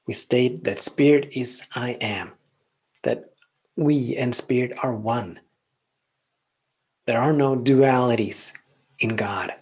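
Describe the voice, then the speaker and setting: Calm and reflective, a Swedish-native podcast host offers a spiritual teaching, leaning on repeated phrases strung into long lists. He speaks slowly in a husky, medium-pitched voice, leaving long pauses.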